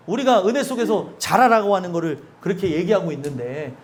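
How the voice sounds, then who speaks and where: A male pastor giving an emphatic, conversational sermon and often asking the congregation questions. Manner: acts out quoted speakers with sudden drops in pitch and loudness.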